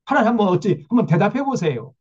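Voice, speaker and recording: A man's voice: sits high, big pitch swings, fast talker, a little mellow, husky, dull audio, voice pushed up, exaggerated voice. A man voicing an indignant male prophet who protests and demands answers from God, in a sermon. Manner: agitated, demanding questions.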